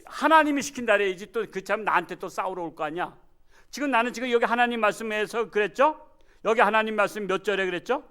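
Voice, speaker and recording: Man, pastor, sunday sermon, bright sharp voice, folksy jokes with the congregation. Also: sits high, quick pace, clear, resonant tone. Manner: animated, swinging from loud exclamations to quiet asides.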